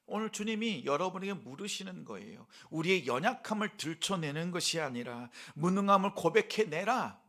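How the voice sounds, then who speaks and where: Higher-voiced male pastor, whispering then rising. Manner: dramatic shifts between soft whispers and raised pleading voice; asks the congregation rhetorical questions. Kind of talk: sermon.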